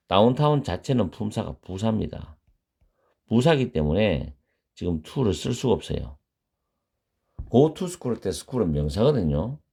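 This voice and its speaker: A man's voice: deep voice, creaky, warm tone, breathy edge. A middle-aged man teaching an English grammar lesson, patiently repeating example sentences and stopping to correct his own typos.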